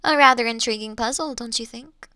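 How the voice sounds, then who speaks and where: A woman playing an ancient, elegant monster in a Victorian fantasy audio drama, teasing her hunter in archaic, formal phrases with lingering pauses. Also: on the high side, sharp tone, clean tone, no echo, clean studio sound. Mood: sardonic. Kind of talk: slow theatrical roleplay monologue in Victorian fantasy audio drama.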